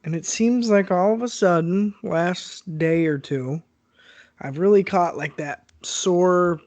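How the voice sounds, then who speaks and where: Congested and nursing a sore throat, a man co-hosts a podcast over an internet call on his own mic. His voice is high with a darkish tone and a slow pace, yet his casual chat stays animated, with no room sound.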